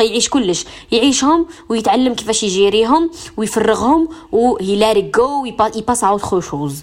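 A young woman with an Algerian accent hosting a radio self-help show, speaking earnestly, repeating phrases for emphasis and slipping French and English words into her talk. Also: medium pitch. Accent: Algerian Arabic.

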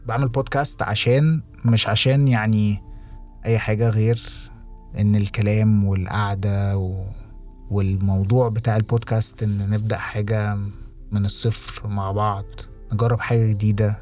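A young Egyptian man co-hosting a podcast, talking reflectively with halting restarts and English phrases mixed in. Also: on the low side, flat delivery, a little mellow, faint music behind. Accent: Egyptian Arabic. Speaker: podcast co-host. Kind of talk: casual podcast conversation.

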